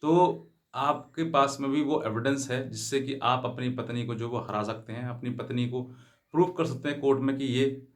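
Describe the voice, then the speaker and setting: A man giving an explanatory legal advice talk to viewers, often rephrasing himself and glossing English terms in Hindi. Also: mid-range voice. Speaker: legal advice channel host.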